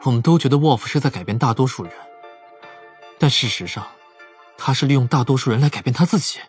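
An actor playing a calm, analytical young male investigator in an audiobook drama, speaking in a measured, reasoning way. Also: medium pitch, soft background music, lightly acted.

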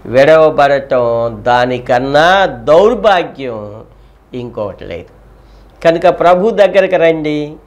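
Slow, emphatic male preacher. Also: on the high side, animated, muffled recording. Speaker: pastor. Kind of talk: sermon.

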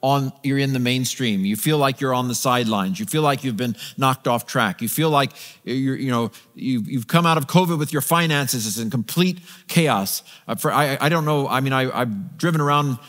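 Bible in hand, a middle-aged pastor walks the stage of a large church and gestures as he preaches to a live congregation. His medium-pitched, slightly bright voice moves at a moderate pace with hardly any pauses, often restarting and repeating words. The big sanctuary's reverb lingers long.

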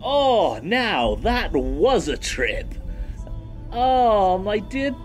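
A flamboyant villain of an audio drama acted by a man, sardonic and smug. His drawl is leisurely and very animated, with music clearly behind it. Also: high voice, very slow, full character voice. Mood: smug, mocking. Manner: theatrical, mocking, drawling.

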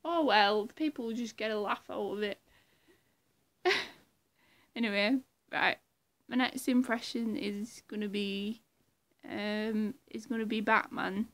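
A woman's voice: mid-range voice, slow pace, a bit bright. A young woman chatting casually to her webcam in a small room, swearing and laughing often. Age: young adult. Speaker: vlogger. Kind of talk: casual vlog chat.

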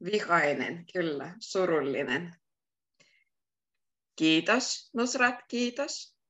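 Bright-voiced woman teaching beginners. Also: fairly low pitch, very animated. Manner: slow, repeats words and gives English glosses. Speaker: Finnish teacher. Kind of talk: online beginner language lesson.

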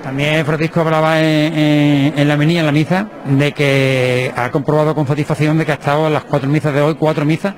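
A middle-aged man, a local TV reporter asking questions quickly and restarting often, holding a handheld mic inside a chapel. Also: fairly high pitch, flat delivery. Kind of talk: interview questions. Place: inside a small chapel by the altar.

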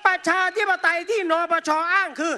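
Male protest orator with a very high voice, combative and scornful, working a big outdoor crowd from the stage. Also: steady tone, moderate pace, sharp tone, slight background noise. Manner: combative, mocking, addresses the crowd as brothers and sisters. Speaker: protest rally speaker. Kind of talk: fiery political rally speech. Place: outdoor rally stage in a park.

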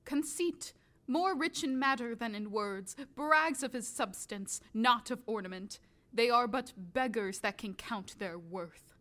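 Woman playing a prim, bright-voiced teenage thespian. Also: on the high side, a little slow. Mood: declaiming. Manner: formal, self-serious. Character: prim, stubborn teenage girl acting Juliet. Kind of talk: audio drama acting.

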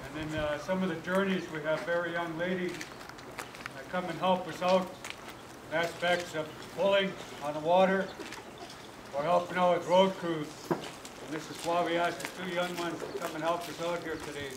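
A middle-aged man giving a ceremonial public address outdoors in measured, halting phrases, picked up by a camera a few metres away. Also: fairly high pitch, fairly even intonation. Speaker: ceremony speaker. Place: outdoors in an open paved yard. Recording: noisy outdoor camera recording.

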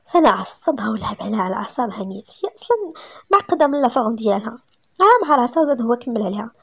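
A woman with a Moroccan accent narrating a romantic comedy story aloud in a brisk, lively manner. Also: a little high, creaky, breathy edge.

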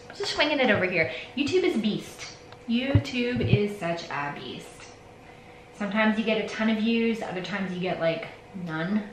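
In her forties, a woman vlogs casually from her home nail studio, shelves of polish around her, rambling and poking fun at herself as she talks to the camera. Her medium-pitched voice sounds pushed and bright. The rough recording is reverberant, with slight background noise.

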